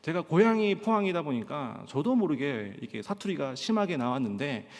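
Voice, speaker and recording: A male pastor from Pohang in South Korea, telling stories in a sermon at a Friday prayer meeting and often filling pauses with a short "yes". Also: a little high, sing-song, a little mellow. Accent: standard Korean, trained out of Gyeongsang dialect. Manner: storytelling with frequent "예" fillers and acted-out quotes. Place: church sanctuary. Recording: long church-hall reverb.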